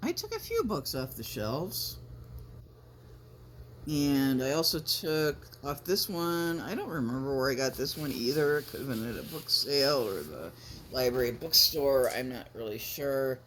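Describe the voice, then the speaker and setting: Clear ambient noise sits behind a man with a mid-pitched voice. He talks like a casual vlogger at home with the camera, rambling along and often breaking off to correct himself. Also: very animated, measured pace, fairly bright tone. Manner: rambling, self-interrupting. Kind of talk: casual chatty vlog with some reading aloud.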